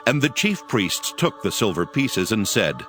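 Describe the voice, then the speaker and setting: A man's voice: fairly low pitch, big pitch swings, a little slow, bright, forceful tone, soft background music. A man narrating scripture as a dramatized reading.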